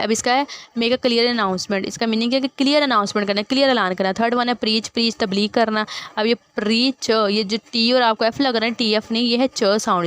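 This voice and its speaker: A woman's voice: medium pitch, fairly bright tone, smooth. A young woman teaching a textbook lesson, patiently repeating terms and moving between English definitions and her own explanation.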